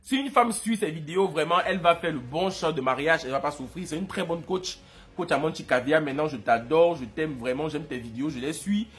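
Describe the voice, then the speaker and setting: A man doing comic commentary as a YouTuber, excitable and mock-adoring, breaking into shouts. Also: on the high side, a little fast.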